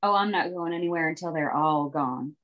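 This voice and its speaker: A woman's voice: deep voice, a little fast, lo-fi sound, natural voice. A woman reading the part of an indignant, jealous wife, disgusted and moralizing, during a screenplay table read.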